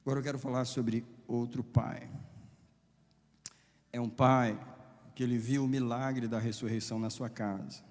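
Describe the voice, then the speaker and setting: A man preaching a sermon as a pastor, impassioned, with dramatic swings between loud and soft. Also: medium pitch, in a large hall.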